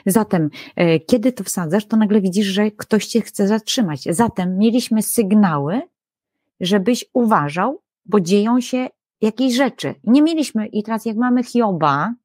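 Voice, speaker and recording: A woman biblical scholar explaining scripture in lively conversation, often using fillers and acting out quoted lines. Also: mid-range voice, a little slow, no room sound, studio quality. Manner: animated, frequent fillers, acts out quoted voices.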